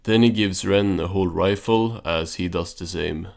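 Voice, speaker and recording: Casting: man with a low voice, offhand and understated, casual cartoon recap narration. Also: moderate pace, creaky, darkish tone.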